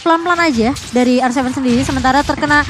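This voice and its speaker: A woman's voice: high voice, rapid-fire. An Indonesian woman giving conversational live commentary on an esports match.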